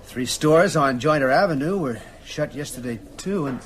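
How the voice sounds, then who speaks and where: An actor playing a wry, articulate, middle-aged Catholic priest in a radio drama, with a husky voice and measured delivery. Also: male voice, on the high side, expressive, slight background noise, lightly acted. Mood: wry, intrigued.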